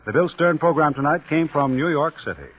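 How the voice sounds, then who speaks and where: Raspy 1940s radio ad announcer. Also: male voice, lively intonation, fairly quick. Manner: punchy, salesman-like pitch. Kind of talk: 1940s radio commercial read. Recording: tinny, narrow 1940s radio recording.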